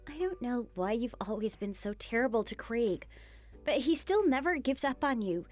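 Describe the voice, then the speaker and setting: A woman's voice: on the high side, lively intonation, moderate pace, faint music behind, lightly acted. Woman voicing a pleading young wife. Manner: earnest, pleading. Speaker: daughter-in-law. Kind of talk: animated story voice acting.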